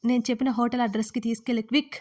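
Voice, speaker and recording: A woman voicing a furious, desperate mother who shouts threats and accusations in a dramatic audio story. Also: fairly high pitch, level tone, rapid-fire, lightly acted. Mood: shouting, demanding.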